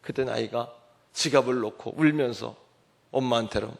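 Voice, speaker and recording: Gravelly middle-aged male pastor preaching. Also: mid-range voice, normal speed. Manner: impassioned preaching, swinging from loud to hushed. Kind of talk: sermon. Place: church.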